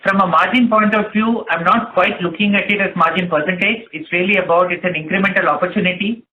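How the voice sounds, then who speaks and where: A man giving measured, explanatory answers as a company executive on an earnings call. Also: sits high, pushed and bright. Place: conference call. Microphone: telephone. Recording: tinny phone line with noise and clicks.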